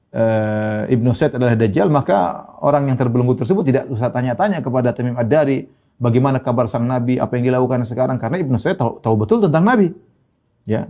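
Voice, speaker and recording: A man giving a storytelling religious lecture, animatedly retelling an old account and quoting Arabic passages. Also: mid-range voice. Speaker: Islamic preacher. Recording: tinny phone-like sound.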